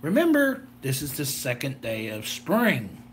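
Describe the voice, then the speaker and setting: Slow, rambling American guy, a little tired. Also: medium pitch, wildly swooping pitch, fairly bright tone, a little hiss or hum. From southern Illinois, United States. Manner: rambling, folksy, jokey. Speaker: gadget video host. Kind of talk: rambling casual vlog.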